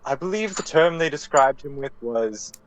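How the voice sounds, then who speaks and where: A man's voice: medium pitch, lively intonation, moderate pace, a little hiss or hum, low-quality recording. Male game master for a tabletop role-playing session, narrating and voicing characters. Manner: speaks in character as non-player characters.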